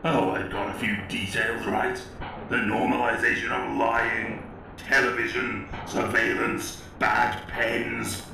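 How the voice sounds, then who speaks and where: A man's voice: mid-range voice, flat delivery, takes it slowly, creaky, pushed and bright, heavily acted. An actor playing a bitter, pompous older writer, narrating his own story in a scornful way in an audio drama. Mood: wry, regretful. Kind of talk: dramatic first-person narration. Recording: very echoey, distant from mic, faint noise.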